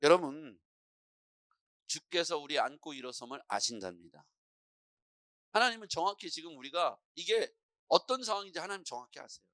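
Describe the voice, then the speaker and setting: Preaching a morning prayer sermon in a church, a middle-aged pastor tells stories and performs voices, shifting between anxious and calm tones with lively energy. His voice is fairly high, his pace moderate with frequent pauses, and the studio sound is clean with no room noise.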